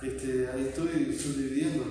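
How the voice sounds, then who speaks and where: A man with a Rioplatense accent, a student answering questions haltingly with many fillers. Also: mid-range voice, steady tone, dark tone. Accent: Rioplatense Spanish. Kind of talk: answering in an interview. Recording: distant mic, very echoey room, faint noise.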